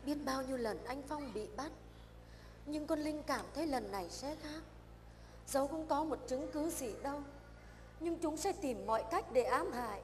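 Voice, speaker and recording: Anguished young mother, urgent and pleading, very high voice, echoing stage with music. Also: expressive, normal speed, a little mellow, a little hiss or hum. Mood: determined. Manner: pleading, emotional. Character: young new mother, devoted revolutionary, anguished. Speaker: stage actor. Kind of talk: stage drama acting. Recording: stage recording with long reverb and music.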